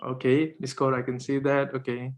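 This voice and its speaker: A man moderates a panel over a video call, his voice at a middling pitch. His first language is Nepali, and he talks hesitantly, with lots of fillers and restarts. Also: monotone, normal speed.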